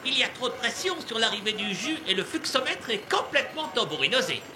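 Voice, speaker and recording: High-pitched, bossy cartoon mechanic. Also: female voice, heavy background noise. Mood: confident, breezy. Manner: brisk, energetic, commanding. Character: brisk, confident young mechanic boss, cheerful and bossy. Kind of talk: French cartoon dubbing. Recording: loud music and busy outdoor clamour behind.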